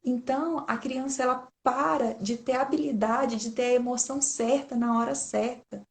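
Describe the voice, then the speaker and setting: This parenting speaker, a woman in her thirties with a Brazilian Portuguese accent, chats informally online about raising children and frequently addresses listeners as "gente." Her voice sits on the high side and is gravelly, with fairly even intonation at a normal speed.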